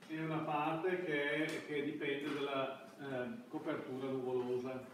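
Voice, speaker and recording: Echoey, halting male lecturer, distant mic. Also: mid-range voice, level tone. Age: middle-aged. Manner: halting, searching for words with repeated false starts. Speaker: university lecturer. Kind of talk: classroom lecture with slides. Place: indoor classroom. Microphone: far camera microphone. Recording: echoey classroom, distant mic, background hiss.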